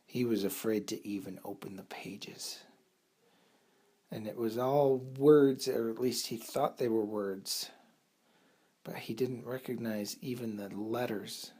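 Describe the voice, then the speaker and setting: A man improvising a bedtime story for children, in an unhurried, halting way with a slightly husky, breathy voice. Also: lowish voice, warm tone.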